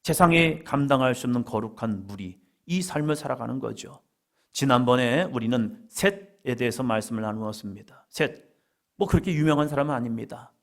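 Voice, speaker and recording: A man's voice: mid-range voice, a little fast, creaky. A man preaching a sermon as pastor in a church, building to emphatic, repeated appeals. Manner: emphatic preaching with rising fervor and repetition.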